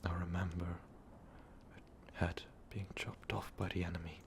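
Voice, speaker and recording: A man playing an ancient, brooding vampire overlord in an intimate ASMR roleplay, speaking in a weary, halting, breathy whisper. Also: level tone, background noise. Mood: somber, reminiscing. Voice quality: breathy, gravelly low whisper. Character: ancient, brooding male vampire overlord, tormented former rebel.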